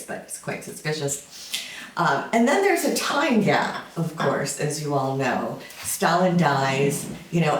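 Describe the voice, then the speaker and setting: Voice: mid-range voice, a little hiss or hum. Lecturer, fifties, informal lecture, chatty, wry asides, roomy echo, distant mic. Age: 50s. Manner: conversational, many fillers, wry asides. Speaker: summer school lecturer.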